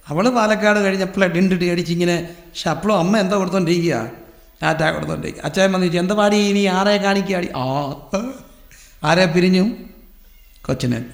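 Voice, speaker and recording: A man preaching a sermon, telling stories and asking questions he answers himself. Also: on the high side. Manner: storytelling, asks questions and answers them. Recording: echoey hall.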